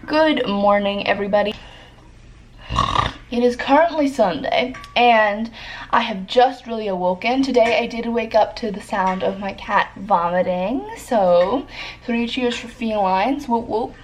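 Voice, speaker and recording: A woman's voice: medium pitch, measured pace, rough recording. A young woman hosting a casual home vlog, chatty and self-deprecating with a dry, sarcastic streak. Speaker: vlogger host. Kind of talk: casual vlog chat to camera. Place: family home indoors. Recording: noticeable background noise.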